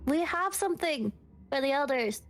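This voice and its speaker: Female tabletop player: higher voice, casual improvised in-game talk, hesitant explanations, faint noise. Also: expressive, moderate pace. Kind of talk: casual in-character improvised dialogue.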